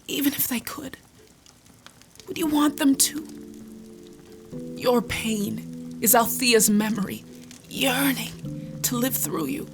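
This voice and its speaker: A calm, compassionate stateswoman and mother in an audio fiction drama. She speaks slowly and gently, with a noticeable creak, persuading with care. Music plays behind her. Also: on the high side. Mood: tender, persuasive. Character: calm, compassionate woman politician and devoted mother.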